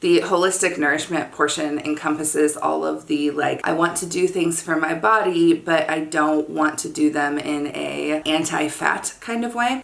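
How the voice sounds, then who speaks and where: A low-voiced woman talks straight to camera in a relaxed, chatty vlog, dropping in plenty of "like" and "um". Her voice has a gravelly, fry-heavy edge. The room around her sounds noticeably echoey. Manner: chatty, informal, frequent "like" and "um". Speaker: vlogger and course creator. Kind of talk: casual talking-to-camera vlog.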